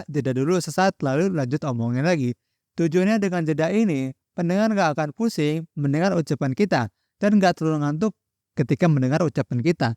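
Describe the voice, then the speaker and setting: Young Indonesian man, higher voice, dry sound. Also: a little mellow, dry recording. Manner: direct, addresses viewer as friend, instructive. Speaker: content creator teaching public speaking. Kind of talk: scripted-sounding solo tutorial to camera.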